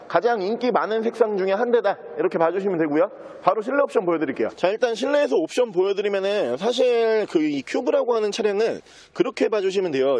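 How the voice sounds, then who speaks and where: High-pitched man with smooth car salesman patter. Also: a little mellow. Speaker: used car dealer presenting a car. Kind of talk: sales walkaround commentary.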